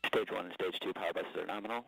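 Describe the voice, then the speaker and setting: A man's voice: low-pitched, fairly even intonation, racing, gravelly, a bit bright, husky, no room sound. A man calling out terse technical status reports over a crackly, breaking-up mission radio loop, clipped and matter-of-fact. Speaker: launch controller on the mission comms loop.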